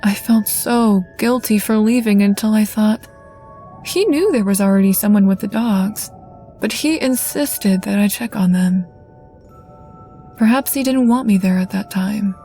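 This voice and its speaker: A woman reading a first-person ghost story in a soft, measured, earnest way over faint background music. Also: mid-range voice. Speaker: guest narrator.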